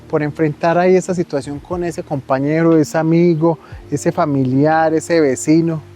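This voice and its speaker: A man's voice: a little high, mellow. A man giving a conversational mental health talk, often acting out quoted voices. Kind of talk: casual advice talk on local TV.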